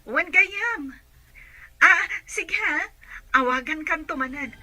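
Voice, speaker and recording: A woman's voice: high-pitched, lively intonation, slow pace, bright, forceful tone, heavily acted. A Filipino woman playing an eager, friendly hospital worker in a radio drama, gushing at a friend. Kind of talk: Ilocano radio drama acting.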